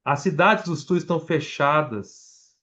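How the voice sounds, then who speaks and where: A man's voice: fairly high pitch, measured pace, pushed and bright, lo-fi sound. A Brazilian man with a Brazilian Portuguese accent preaching a Bible-study sermon, reading scripture aloud verse by verse, restarting words and explaining as he goes to the congregation. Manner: addresses the congregation directly.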